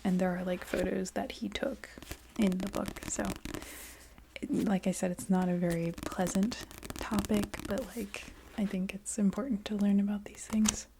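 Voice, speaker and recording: Female, soft ASMR chat drifting into whispers, medium pitch, noisy recording with small clicks. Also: little pitch movement, normal speed, creaky. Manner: soft speaking that often drops into a whisper. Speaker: ASMR video creator. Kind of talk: soft-spoken ASMR, casual rambling chat.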